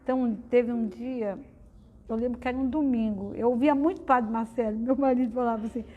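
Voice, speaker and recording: A woman's voice: a little high, fairly even intonation, fairly quick, phone-quality sound. Heartfelt middle-aged woman giving testimony. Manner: heartfelt, conversational, with frequent fillers. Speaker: guest speaker at a spiritist study center. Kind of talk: personal testimony talk.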